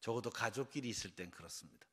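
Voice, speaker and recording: A man's voice: fairly low pitch, fast, husky. A man from Seoul preaching an early-morning sermon as pastor, quizzing the congregation. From Seoul, South Korea. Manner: engages the congregation with quiz questions. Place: church sanctuary. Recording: long reverb of a church sanctuary.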